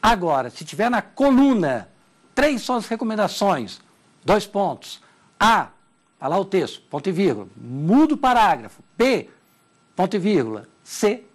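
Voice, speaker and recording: A middle-aged Brazilian man lecturing on TV about legal writing. His voice sits high for a man and swings widely in pitch. He stresses his warnings and says them twice. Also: very animated, moderate pace. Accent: Brazilian Portuguese. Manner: emphatic, repeats key warnings. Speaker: law language teacher. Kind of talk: televised lecture.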